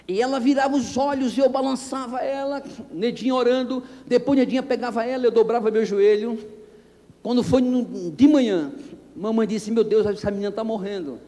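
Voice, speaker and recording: A man preaching as a pastor, telling stories and acting out the dialogue with sudden shouts. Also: high voice. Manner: animated, acts out dialogue, bursts into shouts. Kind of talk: storytelling sermon. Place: church anniversary service. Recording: long reverb of a church hall.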